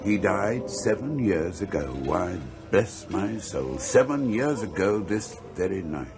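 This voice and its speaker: An actor playing a miserly, hard-hearted older English businessman in a radio drama, husky, scornful and clipped. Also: low-pitched, expressive, measured pace, over music. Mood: musing.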